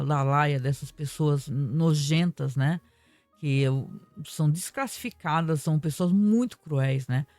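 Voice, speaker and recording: A man, reviewing a TV series episode in casual talk, animated and indignant, retelling scenes with quoted dialogue. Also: on the high side, no echo.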